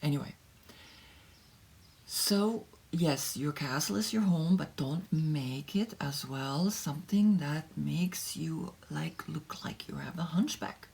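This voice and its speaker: A tarot reader speaks slowly and softly, often dropping into a whisper. Her low voice is husky, with a gravelly fry. She thinks aloud as she goes. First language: German. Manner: slow, soft, drifting into whispers, thinking aloud. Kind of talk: meditative tarot reading, partly translated.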